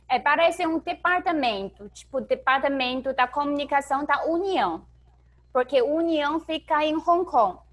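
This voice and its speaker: A woman from China with a Chinese accent, speaking as a guest after giving her testimony, with brief, soft replies. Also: sits high.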